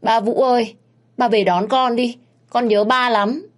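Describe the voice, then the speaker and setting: A woman's voice: a little high, steady tone, unhurried, pitched above the performer's own voice, natural voice. A woman voicing a tearful little girl who misses her father, in a storytelling audio piece. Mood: tearful pleading.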